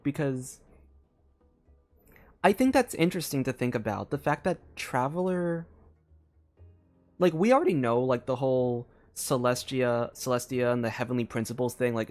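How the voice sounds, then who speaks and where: A young man giving casual live commentary on a game, rambling and thinking aloud with lots of fillers. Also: medium pitch. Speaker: game streamer.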